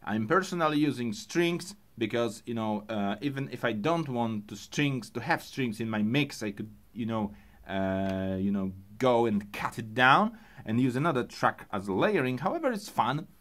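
A man explains a looper step by step, halting with fillers and restarts. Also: mid-range voice, lively intonation, fairly bright tone. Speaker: music gear tutorial host. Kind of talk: casual tutorial explanation.

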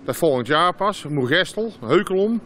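A man's voice: high-pitched, animated, moderate pace, fairly bright tone. A man in his sixties with a broad Dutch accent from Brabant, chatting casually in a street interview. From Brabant, Netherlands. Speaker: market passer-by being interviewed. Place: outdoor market street. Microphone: handheld interview microphone. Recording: outdoor street with faint noise.

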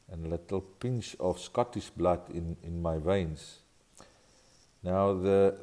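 A man in his sixties with an Afrikaans accent, a farmer speaking English as a second language in an earnest, deliberate vlog from his home study. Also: sits low, dark tone. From South Africa. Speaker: farmer vlogger. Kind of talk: talking-to-camera vlog. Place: home study with bookshelves, indoors.

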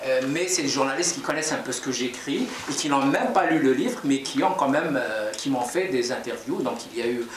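A man's voice: medium pitch, a little fast, few pauses, slight background noise. A man in his forties, a Kabyle-born novelist, giving thoughtful, hesitant interview answers in a small office. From Algeria, Kabylie. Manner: reflective, gestures while talking, many hesitations. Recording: echoey room from far off, crowd murmur.

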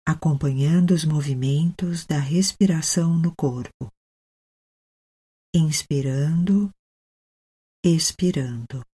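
A Brazilian woman leading a guided meditation, speaking gently and soothingly with long pauses. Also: low voice, slightly rough.

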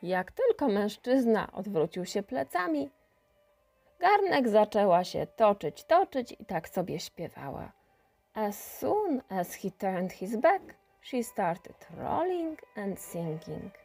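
A woman reading a folk tale aloud in two languages, slow, expressive and gentle. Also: mid-range voice, gravelly, slightly rough. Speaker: storyteller. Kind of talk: bilingual storybook reading, each line repeated in translation. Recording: faint music under the voice.

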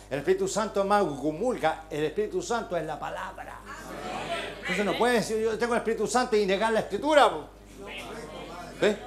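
A man with a Chilean accent preaching a sermon, moving between soft, confiding talk and fervent shouting. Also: high-pitched, a little hiss or hum. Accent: Chilean Spanish. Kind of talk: Pentecostal-style sermon. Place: church hall. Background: congregation calling out amens.

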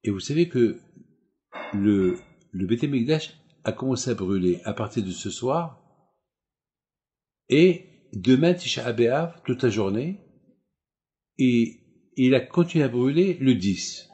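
Mellow-voiced rabbi, emphatic sermon. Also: male voice, medium pitch, expressive, slow pace, long pauses. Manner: repetitive, emphatic rhetorical questions.

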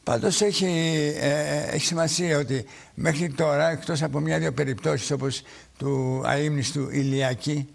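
A man's voice: fairly high pitch, steady tone, vocal fry. A middle-aged man hosting a studio talk show, asking probing questions in a conversational way.

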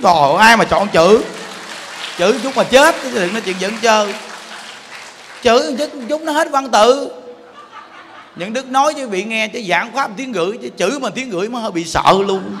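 A man giving a Buddhist dharma talk, animated and colloquial, joking with his listeners. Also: high-pitched, slight background noise. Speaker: Buddhist monk teacher. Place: temple hall. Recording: long hall reverb.

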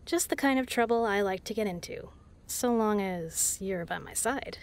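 A woman's voice: medium pitch, normal speed, lightly acted. An actress playing a tough, commanding but caring female spy in an intimate audio drama. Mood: flirtatious.

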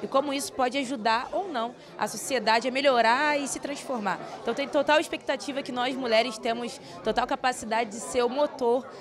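Young female interviewee, rapid and assertive, slightly high voice. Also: steady tone, a crowd in the background. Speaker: interviewee at religious event. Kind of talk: interview answer. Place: indoor event venue. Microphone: handheld interview mic.

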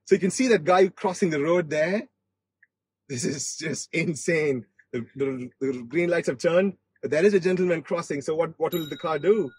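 A man from Australia giving casual, excited commentary as host of a test-drive vlog inside a car, often repeating his phrases. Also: fairly high pitch, moderate pace, breathy edge, no echo, poor audio. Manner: enthusiastic, repeats phrases, hesitant with frequent repetition.

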